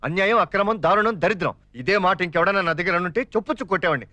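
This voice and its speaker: An actor playing a fast-talking, scheming young father who pleads and teases his friend in a comic film scene. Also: high-pitched, bright, forceful tone, no echo. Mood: teasing. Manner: rapid, jokey, wheedling. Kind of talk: 1990s Telugu film acting.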